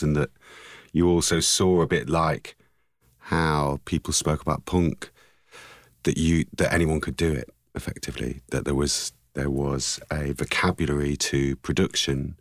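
A man in his forties, an artist, talking thoughtfully in an interview, searching for words with pauses and restarts. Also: a bass voice, dry recording, studio quality. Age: 40s. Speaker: artist guest. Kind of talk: reflective interview talk.

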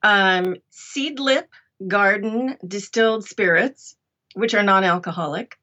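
Lady podcast guest just chatting, bright voice, recording a bit dull and lo-fi. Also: mid-range voice, slow pace. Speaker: podcast guest, audiobook narrator. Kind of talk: casual chat.

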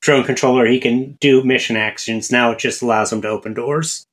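Steady explaining man. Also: mid-range voice, a little fast. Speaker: podcast co-host. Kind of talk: casual gaming podcast chat.

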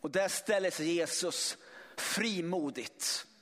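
Male preacher with a high voice giving an emphatic sermon in a church hall with long reverb. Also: a bit bright. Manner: emphatic, with many restarts and sudden swells in volume.

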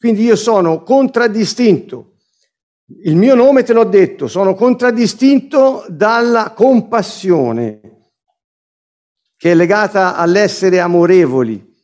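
A man's voice: high voice, animated, slow pace, darkish tone. A man preaching a sermon, explaining scripture line by line and restating its words as he goes.

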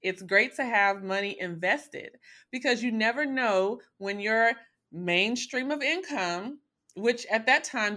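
Woman, young adult, candid storytelling monologue, self-deprecating, bright tone. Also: medium pitch.

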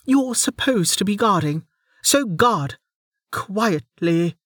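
A narrator playing a stern, high-ranking woman who snaps orders at noisy guards. Pitched well above the reading voice, curt and clipped, in a dry close recording. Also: animated, slow, fairly bright tone, husky, no echo, exaggerated voice. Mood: irritated. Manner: curt, snapping. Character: stern commanding noblewoman, irritable.

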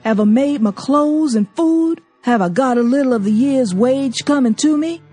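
A woman's voice: high voice, normal speed, dark tone, husky, soft background music, pitched above the performer's own voice. A woman doing an anxious, humble farm laborer. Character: anxious hard-working male farm laborer.

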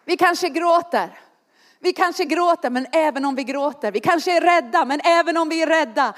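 A middle-aged woman preaching a passionate sermon, moving between soft, slow passages and loud, lifted ones, with a humorous aside. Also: sits high, some chatter behind.

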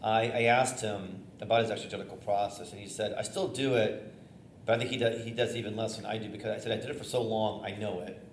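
A middle-aged man, a theater-trained bishop with a loud voice, teaching preachers in a conversational, energetic way with fillers and restarts. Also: on the low side, fast. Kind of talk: informal teaching talk on preaching. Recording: echoey room, faint noise.

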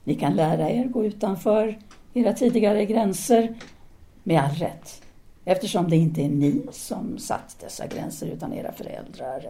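An actress playing a self-possessed intellectual woman in an audio drama, formal and measured yet intimate and seductive. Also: medium pitch, animated, warm tone, close to an everyday voice. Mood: seductive, probing. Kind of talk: audio drama letter monologue and dialogue.

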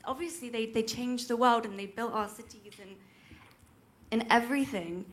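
A woman's voice: a little high, normal speed. A young woman in the audience, speaking earnestly and with animation. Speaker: audience member.

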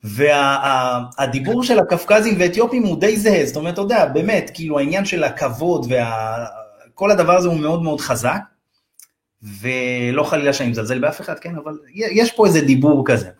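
A man from Israel's Ethiopian community, a real estate advisor, telling a story in a loose, slangy, animated way and acting out the dialogue. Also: fairly high pitch. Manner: animated, acts out quoted dialogue in raised voices; loose, slangy, addresses listener as bro. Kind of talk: casual storytelling in a podcast interview.

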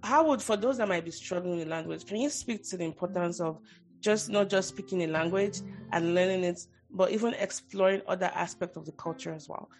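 A woman's voice: on the low side, a little fast, darkish tone, soft background music. A woman with a Nigerian accent hosting a podcast interview, talking in long rambling thoughts that restart often. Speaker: podcast host. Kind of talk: casual interview chat.

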